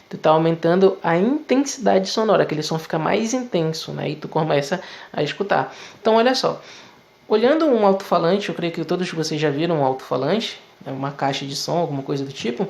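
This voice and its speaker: A gravelly, high-sitting male voice walks through a physics video lesson one step at a time. His manner is conversational, sprinkled with frequent tag questions.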